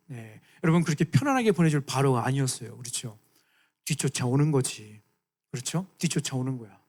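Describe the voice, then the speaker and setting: A man preaching a playful sermon to students as their youth pastor, acting out voices and asking them questions. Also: on the high side.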